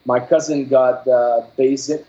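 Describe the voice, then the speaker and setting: Halting Québécois French-accented man, muffled. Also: medium pitch, fairly even intonation, dark tone. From Quebec, Canada. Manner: halting, many fillers and restarts while searching for words. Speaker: game developer guest. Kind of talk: casual interview. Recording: dull lo-fi audio.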